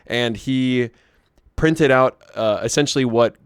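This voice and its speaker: A hoarse young man vlogging, telling a rambling story to camera with many restarts and asides. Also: mid-range voice, slow pace, no room sound, clean studio sound.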